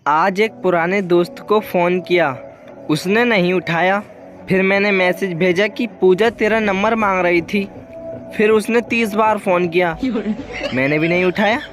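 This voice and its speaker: A man's voice: high-pitched, a little slow, fairly bright tone. A man reading short comic jokes in a punchy storytelling delivery. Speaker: joke narrator. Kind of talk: scripted comic joke reading. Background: music.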